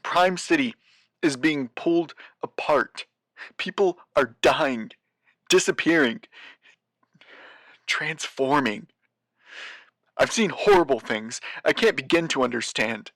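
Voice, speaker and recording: Weary, haunted postmaster, dry close sound. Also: male voice, a little high, expressive, fairly bright tone, dry recording, exaggerated voice. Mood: grave, horrified. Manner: halting, searching for words, grave. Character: weary, haunted male postmaster of a doomed city. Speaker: guest voice actor. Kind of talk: audio drama monologue, recorded message.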